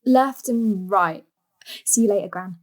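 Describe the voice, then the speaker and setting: An actress playing an earnest young activist granddaughter in an audio drama, brisk and matter-of-fact. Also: female voice, mid-range voice, natural voice. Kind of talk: stage-style audio drama acting.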